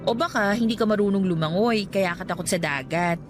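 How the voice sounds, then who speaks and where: A woman playing a playful, expressive young woman in a radio romance drama. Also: mid-range voice, a little fast, close to an everyday voice. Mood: relaxed, chatty. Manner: teasing, girlish, expressive exclamations. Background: music.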